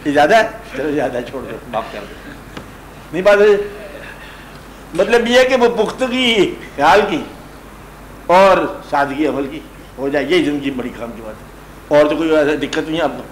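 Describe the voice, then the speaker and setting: A man's voice: a little high, slight background noise. A man teaching a gathering in a conversational religious discourse, retelling a story and often asking whether his listeners have understood. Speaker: spiritual teacher addressing a gathering. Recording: echoey room with faint ambience.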